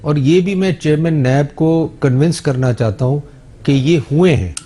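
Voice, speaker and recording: A man's voice: fairly high pitch, moderate pace, dark tone, breathy edge. A man with a Pakistani Urdu accent answering questions in a TV interview, insistent and defensive.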